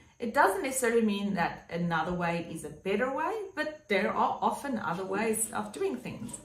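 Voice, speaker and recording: A woman with a South African accent talks in an animated tone with lively intonation at a moderate pace, fairly high in pitch with hardly any pauses, over noticeable background noise and audible room echo. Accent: Afrikaans South African English. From South Africa, small country town. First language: Afrikaans. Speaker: local councillor and vlogger. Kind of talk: livestream monologue. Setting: livestream video. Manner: animated, conversational.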